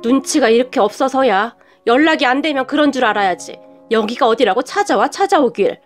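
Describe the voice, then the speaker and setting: A woman's voice: sits high, lively intonation, fairly quick, faint music behind. A woman voicing a scornful middle-aged mother. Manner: sharp, scolding, talks down.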